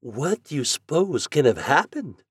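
A devoted, anxious farm mother from a storybook, as a man puts her on. The voice is lifted and lively with a husky edge, and she talks in a fretful, homespun country way. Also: fairly high pitch, measured pace, no echo, pitched above the performer's own voice, heavily acted. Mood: dismayed. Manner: rustic folksy speech, fretful.

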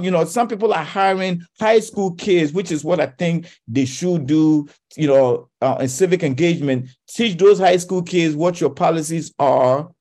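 Brief: male radio talk host, fired up, stumbles and restarts, voice a touch high, studio mic. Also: darkish tone. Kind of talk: radio talk show commentary.

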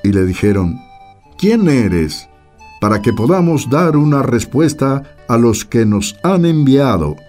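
A man's voice: medium pitch, big pitch swings, unhurried, darkish tone, faint music behind. A man giving solemn scripted narration and reading scripture.

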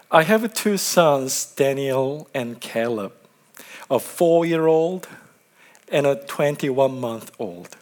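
A man in his thirties from South Korea with a Korean accent, preaching a sermon slowly and carefully, with friendly asides. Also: medium pitch, darkish tone. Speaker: guest pastor.

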